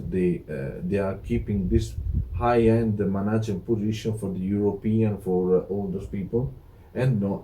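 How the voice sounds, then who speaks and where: A middle-aged Italian man with an Italian accent, a hotel director talking as an interview guest, halting with many fillers and restarts. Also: fairly low pitch, noisy background. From Italy. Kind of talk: casual interview chat.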